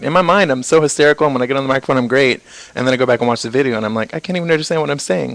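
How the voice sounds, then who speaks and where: A very fast-paced man's voice with ordinary variation in pitch. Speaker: event host and promoter. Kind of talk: casual chat. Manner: talkative, outgoing.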